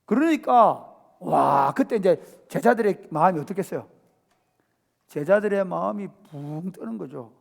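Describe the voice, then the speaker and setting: A male pastor preaches a dramatic sermon in a high voice, his pitch leaping and falling as he acts out voices. He drops to near whispers and rises to shouts. The sanctuary adds a long, ringing reverb. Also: expressive, measured pace, gravelly. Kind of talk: animated sermon. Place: church sanctuary. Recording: church hall reverb.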